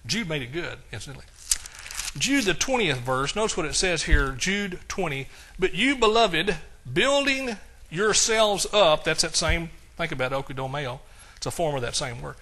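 An older male preacher delivering a sermon in a bright, forceful voice that sits somewhat high for a man. He reads scripture with climbing emphasis, then drops into easy, conversational asides. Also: lively intonation, normal speed, low-quality recording.

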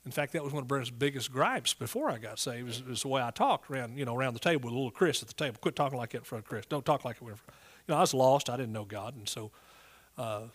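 A man's voice: medium pitch, fast. A middle-aged man with an East Texas accent preaching a sermon in a folksy, emphatic way, prompting listeners as he goes.

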